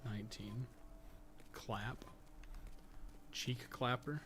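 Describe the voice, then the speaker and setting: A man with an average-pitched voice gives casual live commentary on a game. He rambles and mutters to himself as he works things out, chatting loosely and cursing offhand. Background noise and ambience sit behind his voice. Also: drawn-out words. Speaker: game streamer, host.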